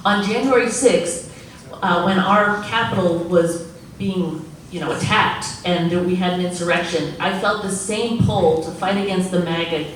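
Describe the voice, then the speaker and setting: A woman's voice: lowish voice, distant mic, a little hiss or hum. A woman giving a determined closing statement as a congressional candidate, with a few restarts. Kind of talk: campaign forum closing statement. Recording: echoey hall, mic heard from afar.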